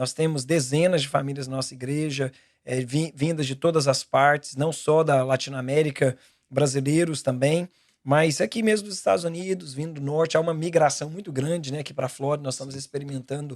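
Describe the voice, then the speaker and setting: A man speaks in a normal speaking voice, fairly high in pitch and at a fairly quick pace. His intonation is fairly even, and the recording is very clean with a silent background. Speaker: pastor. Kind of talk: casual chat.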